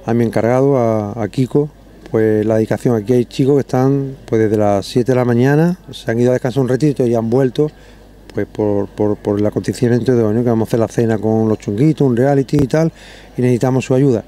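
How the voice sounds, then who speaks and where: Man in his forties, restaurant owner, quick, mellow voice, handheld mic outdoors at night. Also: mid-range voice. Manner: eager, grateful, rambling. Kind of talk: casual interview. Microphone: handheld interviewer's mic.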